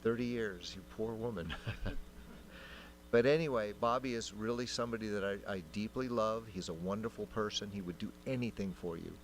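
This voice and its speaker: A man's voice: on the low side, fairly quick, a little hiss or hum. A man, a council member, giving a heartfelt, informal tribute to a veteran at a city council meeting. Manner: warm, informal storytelling.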